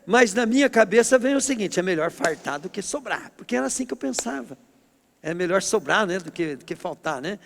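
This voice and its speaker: A middle-aged man from Brazil preaching a sermon as pastor, with an emphatic, forceful way of speaking. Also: high voice, animated, brisk, gravelly, slight background noise. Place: church hall. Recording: long hall reverb.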